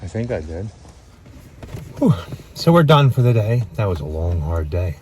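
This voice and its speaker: A man's voice: on the low side, moderate pace, a little hiss or hum. A man who runs a landscaping business, chatting casually with viewers about a finished sod job and giving offhand tips. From Western North Carolina. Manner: relaxed, offhand advice with fillers. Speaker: landscaping business owner, vlog co-host. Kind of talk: casual end-of-day chat to viewers.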